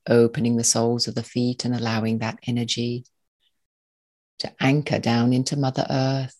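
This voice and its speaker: Soothing guidance comes slowly from a meditation leader whose voice sits in the mid range. Each short phrase is spaced apart, and the manner stays calm throughout.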